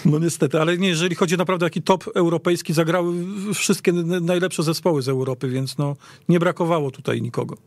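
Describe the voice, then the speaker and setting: Guy on a sports podcast, voice a bit high, stumbles and repeats words, no room echo. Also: fairly even intonation, fast talker, hardly any pauses, a little mellow. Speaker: studio guest pundit. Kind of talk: informal sports discussion. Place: radio studio.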